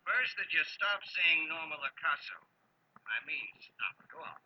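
An actor playing a gloating, mock-polite nightclub owner turned blackmailer, in 1940s radio style. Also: male voice, a little high, lively intonation, unhurried. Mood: smug demanding. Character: smug male nightclub-owning blackmailer, coolly menacing. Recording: muffled, noisy old radio recording.

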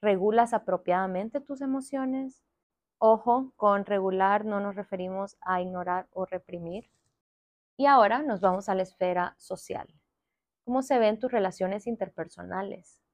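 A young woman hosts a reflective wellness podcast in a gentle, guiding manner. She speaks at a middle pitch. Her voice sounds dry and close, with no room echo. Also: moderate pace. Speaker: podcast host.

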